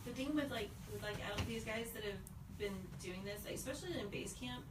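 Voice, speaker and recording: A woman's voice: on the high side, fairly quick, a crowd in the background. A woman on staff chatting casually and supportively on a live stream. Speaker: staff member. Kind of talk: casual chat. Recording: roomy, distant mic with background noise.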